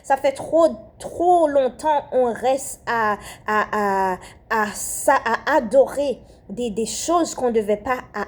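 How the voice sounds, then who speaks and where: A woman's voice: on the high side, expressive, takes it slowly. A young Haitian-born woman with a French accent giving a fervent spoken prayer message, repeating phrases and often restarting her sentences. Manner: fervent, repetitive, with hesitations and restarts.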